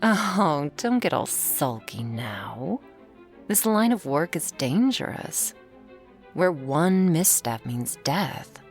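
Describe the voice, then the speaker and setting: A woman's voice: low-pitched, sing-song, takes it slowly. A woman performing an ASMR roleplay as a commanding, teasing werewolf hunter who instructs the listener. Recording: faint string music behind.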